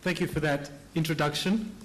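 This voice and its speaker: A man's voice: fairly high pitch, fairly even intonation, moderate pace. A middle-aged man from Hawaii giving a conference lecture in an earnest manner, repeating key phrases for emphasis. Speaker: conference speaker. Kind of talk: lecture presentation.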